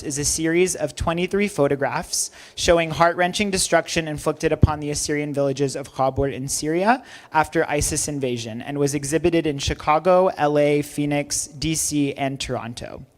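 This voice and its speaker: A man's voice: a little high, moderate pace, hardly any pauses. A man hosting an event, reading a formal introduction and then interviewing the guest.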